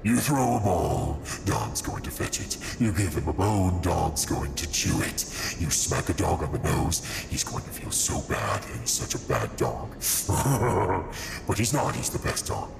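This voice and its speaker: Audio drama troublemaker, played by a man: low, gravelly, crude and playful, echoey with background noise. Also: very animated, unhurried, music in the background, exaggerated voice. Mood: musing. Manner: rambling, playful, cheeky.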